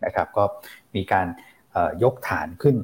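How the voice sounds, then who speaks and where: A man co-hosting a casual market talk show, relaxed, with many agreeing backchannels. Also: moderate pace. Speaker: co-host.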